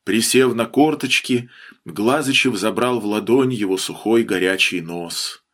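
A man reading an audiobook in a measured storytelling manner. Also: on the low side, fairly bright tone. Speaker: audiobook reader. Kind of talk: scripted narration.

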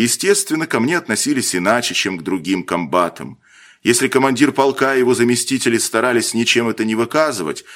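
A man narrating an audiobook in a measured, expressive reading. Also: lowish voice.

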